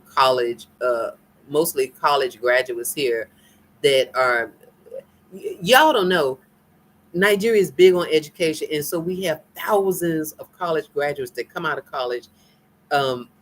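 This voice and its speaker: A woman's voice: a bass voice, a little hiss or hum. A woman from the United States with an African American accent, chatting casually and teasingly with viewers on a live stream, laughing often. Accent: African American English. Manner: animated, laughing, teasing, folksy. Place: home in Nigeria.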